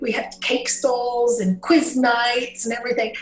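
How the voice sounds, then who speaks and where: Over music in the background, a woman speaks at a fairly slow pace in a high pitch. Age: 60s. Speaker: yoga teacher. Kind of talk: interview conversation. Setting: video call. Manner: animated.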